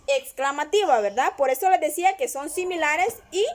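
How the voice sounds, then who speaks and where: A woman's voice: sits high, expressive, normal speed. A woman teacher patiently explaining a grammar lesson, often checking in with the listener. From Guatemala. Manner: patient, repeats "¿verdad?" often.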